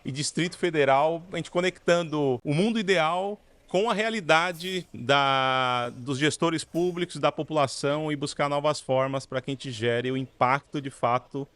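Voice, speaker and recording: A Brazilian man with a slightly higher voice co-hosts in a hotel lounge on a boom mic. He speaks earnestly and formally. He restarts phrases as he goes and builds up his point. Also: normal speed, hardly any pauses, fairly bright tone, dry recording. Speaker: co-host. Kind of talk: co-hosting an interview. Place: large hotel lounge, indoors. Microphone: desk mic on boom arm.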